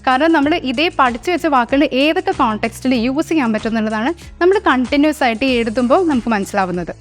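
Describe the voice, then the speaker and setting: Young malayali woman teaching vocab tips, switching languages mid-sentence, highish voice, light music behind. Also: lively intonation, quick pace. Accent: Malayali English. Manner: mixes Malayalam with English phrases. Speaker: language trainer. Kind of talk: teaching lesson. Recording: soft music underneath.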